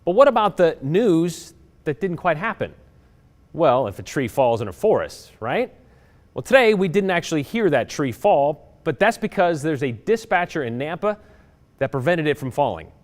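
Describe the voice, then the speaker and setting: A man's voice: a little high, sing-song, moderate pace. An American man anchoring TV news in a conversational style.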